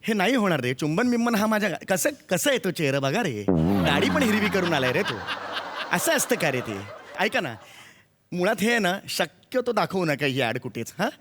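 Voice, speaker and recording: Exasperated high-voiced man complaining loudly. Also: big pitch swings, normal speed, background noise. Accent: Marathi. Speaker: veteran actor in a comedy sketch. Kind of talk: stage comedy sketch.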